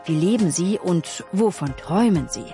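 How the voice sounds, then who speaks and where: A woman reading a scripted podcast promo, slow and dramatic. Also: lowish voice, expressive, mellow, soft background music. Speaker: promo announcer.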